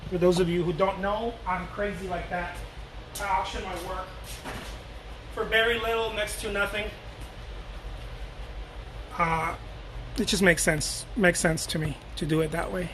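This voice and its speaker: Chatty high-voiced man from Mexico. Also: measured pace, long pauses, a bit bright, slight background noise, rough recording. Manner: rambling, jokey, reads out and answers viewer questions. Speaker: painter streaming to viewers. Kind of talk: casual live painting chat.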